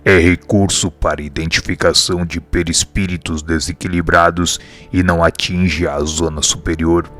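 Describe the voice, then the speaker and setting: Radio drama: male actor as calm Brazilian spirit teacher, very low pitch, formal didactic delivery, faint music underneath. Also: moderate pace, hardly any pauses. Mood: calm, instructive. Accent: Brazilian Portuguese. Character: calm wise male spirit mentor explaining things. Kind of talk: scripted radio drama acting. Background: background music.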